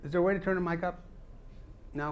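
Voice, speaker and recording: A man's voice: high voice, fairly even intonation, quick pace, dull audio, a little hiss or hum. A man interviewing an author before a live audience, asking long, meandering questions. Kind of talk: live public conversation.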